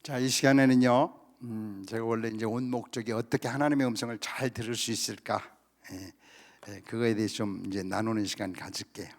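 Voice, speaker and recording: A Korean pastor in his fifties preaching a lively, humorous story sermon at a church camp, acting out the people in his story. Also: lowish voice, a little fast. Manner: animated storytelling, acting out quoted voices with laughter.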